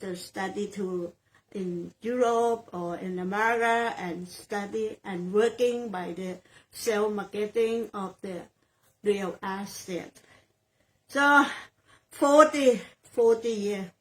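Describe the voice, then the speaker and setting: A woman in her sixties from Thailand with a Thai accent, a real estate sales agent answering interview questions in halting English, often repeating phrases as she looks for words. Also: medium pitch, low-quality recording. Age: 60s.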